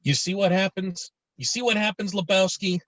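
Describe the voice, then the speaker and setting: A man's voice: high voice, steady tone, moderate pace, a bit bright, dry recording. A man playing a threatening, demanding debt-collecting thug in a screenplay table read. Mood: menacing. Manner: threatening, demanding, foul-mouthed. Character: menacing thug shaking down a debtor. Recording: dull, muffled online-call audio.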